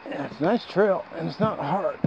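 A man with a creaky voice chatting casually and off the cuff as he vlogs outdoors on a trail, with dry asides. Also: on the high side, moderate pace. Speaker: hiking vlogger. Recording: dull lo-fi outdoor sound, steady noise.

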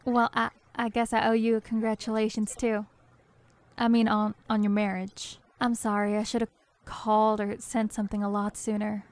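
An actress playing a flustered, polite young woman driver in her twenties in a TV drama, with a hesitant, halting way of talking. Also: medium pitch, completely flat delivery, natural voice. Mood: awkward, surprised. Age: 20s. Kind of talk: naturalistic TV drama acting. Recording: noisy old TV tape with car ambience.

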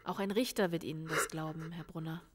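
Female detective actress, audio crime drama. Slightly low voice, calm authority, measured and reassuring delivery. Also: slightly rough. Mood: soothing. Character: composed female police lieutenant calming a suspect.

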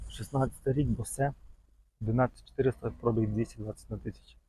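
A man's voice: mid-range voice, fairly even intonation, brisk, dark tone, slightly rough, low-quality recording. A man casually showing cars for sale at an outdoor market, chatting in a loose, rambling way with lots of fond little words. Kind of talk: casual walk-around commentary.

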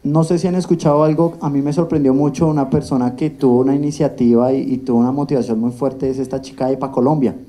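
Man with a dark, mellow voice. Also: medium pitch, fairly even intonation, fast talker, few pauses. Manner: earnest, addresses the audience directly. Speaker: event host. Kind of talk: talk to students. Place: large lecture hall with an audience. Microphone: handheld microphone.

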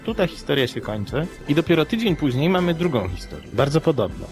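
A man from Poland co-hosting a podcast, telling and commenting on cases in a conversational, measured, explanatory and sceptical way. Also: on the high side, very animated, a little mellow. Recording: music playing behind the voice. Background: background music.

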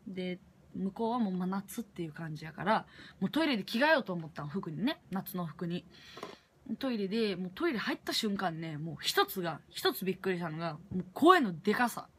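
A young woman with a Kansai accent tells a story in a casual vlog. Her voice swings widely in pitch as she acts out her own reactions. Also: very animated, fairly quick, a little hiss or hum. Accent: Kansai Japanese. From Japan. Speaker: vlogger.

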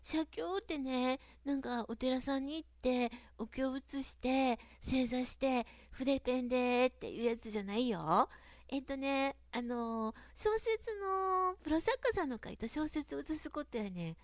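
A novelist with a Kyoto accent giving a chatty, casual writing lesson to camera. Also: female voice, high voice, lively intonation, unhurried, dry recording, studio quality. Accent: Kyoto Japanese. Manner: chatty, frequent dialect sentence endings.

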